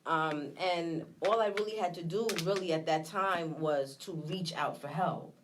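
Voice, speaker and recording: A woman's voice: lowish voice, background noise. A woman from Trinidad, raised in Brooklyn, speaking candidly and hesitantly as an interview guest. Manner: candid, reflective, hesitant with many pauses. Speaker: guest, nonprofit founder. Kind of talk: personal testimony in an interview.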